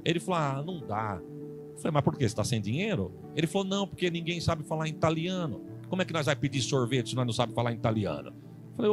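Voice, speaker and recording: A Brazilian man preaching, telling a funny testimony and acting out the dialogue in an animated storytelling way. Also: fairly high pitch. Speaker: pastor.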